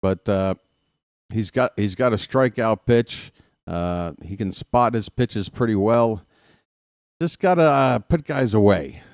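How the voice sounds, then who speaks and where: Congested by sinus trouble, this live baseball stream host chats through pregame commentary at an unhurried pace, leaning on many "uh" fillers. The lowish voice comes through at studio quality with no echo.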